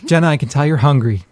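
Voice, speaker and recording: A man's voice: medium pitch, darkish tone, slightly rough. A man co-hosting a casual podcast in a blunt, opinionated, ranting way, swearing freely. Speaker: podcast co-host. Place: small home office.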